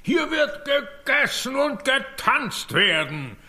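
A man's voice: very high voice, very animated, slow pace, pushed and bright, full character voice. A man playing an oily, scheming property tycoon in a children's audio drama, gloating and wheedling theatrically. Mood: flattering, scheming.

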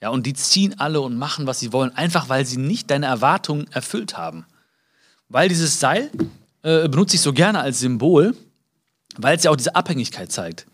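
A man giving a live motivational talk. He speaks to his listeners directly, acts out little dialogues and jumps high in pitch to stress a point. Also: very animated, moderate pace. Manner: many fillers and restarts, acts out small dialogues.

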